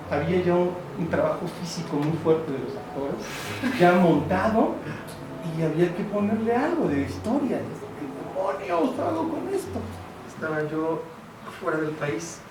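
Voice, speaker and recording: Mexican man, distant roomy talk. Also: a little high. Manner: relaxed and conversational, with frequent fillers and slang. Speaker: playwright. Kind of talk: casual storytelling talk at a public event. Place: event hall. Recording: roomy, distant mic with noisy ambience.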